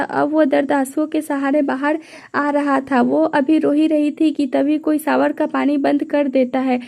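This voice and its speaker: High, flat-toned woman narrating a story. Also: gravelly.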